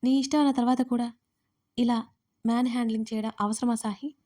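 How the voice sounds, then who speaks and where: A woman voicing a gentle, playful young husband in an audio story. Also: a little high, steady tone, a little fast, close to an everyday voice.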